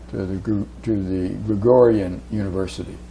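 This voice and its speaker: With audible room echo, a man with a Midwestern US accent speaks in a very deep, low pitch at a fairly slow pace, using lively intonation. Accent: General American, Midwestern. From US Midwest, Springfield, Illinois. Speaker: retired diplomat. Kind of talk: interview. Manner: halting, many fillers.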